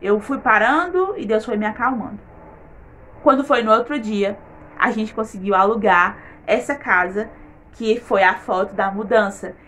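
A woman's voice: medium pitch, moderate pace, fairly bright tone, a little hiss or hum. A woman giving an earnest faith testimony in her vlog, repeating words for emphasis.

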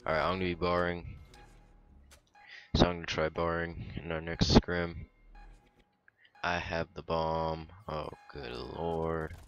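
A young man gives laid-back commentary over a shooter match, his voice very low and flat. He talks slowly and mutters asides, close enough to the mic to eat it. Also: gravelly, clean tone, lo-fi sound. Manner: monotone, mumbled asides while playing. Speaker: gaming YouTuber. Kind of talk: casual gameplay commentary.

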